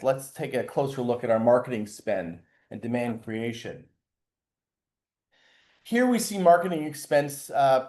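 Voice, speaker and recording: A man speaking as a chief executive, giving a formal, scripted financial results presentation in a measured way, occasionally stumbling over words. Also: mid-range voice, dark tone. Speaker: company chair and CEO presenting.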